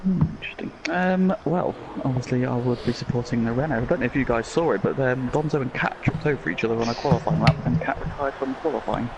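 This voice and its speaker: A man's voice: medium pitch, fast, hardly any pauses, dull audio, noisy background. A man joining as guest commentator for an online race, polite and chatty. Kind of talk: casual race-preview commentary.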